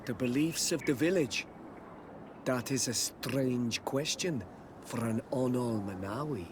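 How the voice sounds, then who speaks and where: An actor playing a guarded, curt tribal villager in a video game, with terse, formal, halting phrasing. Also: male voice, medium pitch, noisy background, natural voice.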